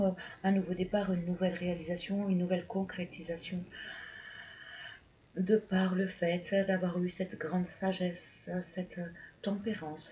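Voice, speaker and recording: A man reading tarot and oracle cards for viewers, talking slowly and hesitantly with many fillers, and encouraging and congratulating the listener. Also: sits high, darkish tone, low-quality recording. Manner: slow, hesitant, with many fillers and repeated words. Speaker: tarot and oracle card reader. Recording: clear background noise.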